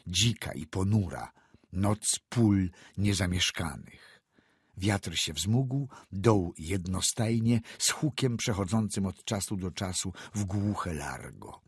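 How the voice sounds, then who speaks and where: A man narrating a literary audiobook in a measured, unhurried way. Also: sits low, slightly rough, dry recording, studio quality.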